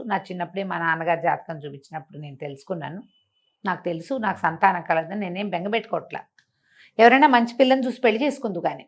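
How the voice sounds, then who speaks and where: An older woman telling a traditional story in a chatty, animated way, adding her own comments. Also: medium pitch. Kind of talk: oral storytelling with asides.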